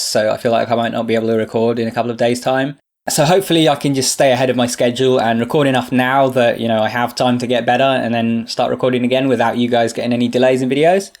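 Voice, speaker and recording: A man's voice: fairly high pitch, darkish tone. A young man with a stuffy nose from a sinus infection, talking earnestly and openly to camera in a casual vlog, with lots of fillers. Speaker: video creator.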